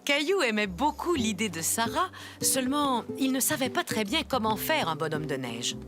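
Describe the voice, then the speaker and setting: A woman playing a kindly older grandmother who narrates children's stories in a gentle, expressive cartoon style. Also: on the high side, moderate pace, over loud music. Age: older character. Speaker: storyteller. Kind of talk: scripted children's story narration.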